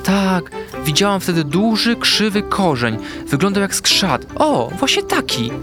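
A small kitten girl, voiced by a man, with a high, childlike storybook voice that shakes with feeling. She speaks gently and slowly, and her voice swings up and down in pitch. Soft music plays faintly behind her. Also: big pitch swings. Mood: earnest. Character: small sad young female kitten.

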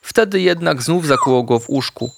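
Man reading a bedtime story, slow and gentle, voice going up and down a lot, dry close sound. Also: fairly high pitch, lively intonation, gravelly, no echo. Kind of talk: children's story narration.

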